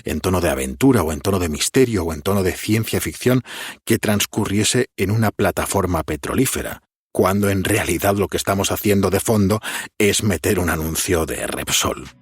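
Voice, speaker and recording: A man with a very deep voice and a husky edge answers interview questions at an unhurried pace, weighing each point calmly. The recording is dry and close, with no room sound. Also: dry recording. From Spain. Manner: calm, deliberate and reflective, with occasional fillers. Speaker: podcast guest.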